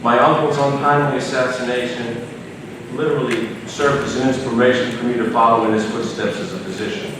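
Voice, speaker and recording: A middle-aged man giving an earnest, measured prepared speech. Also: medium pitch, steady tone. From United States. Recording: echoey hall from far off, noisy.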